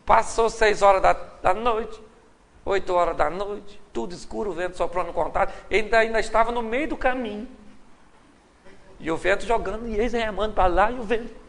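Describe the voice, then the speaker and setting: High, gravelly Brazilian preacher man. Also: fairly bright tone. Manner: playful, joking storytelling with frequent laughter. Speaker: pastor. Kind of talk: humorous sermon. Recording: reverberant live hall recording.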